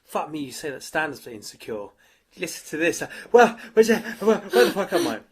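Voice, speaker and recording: A man's voice: fairly high pitch, normal speed, crowd noise. A man hosting a casual podcast chat. His voice climbs and dips all over the place as he jumps between thoughts, and he swears freely as he pushes his guest with questions. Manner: lively, swearing, restless interviewer. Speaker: podcast host.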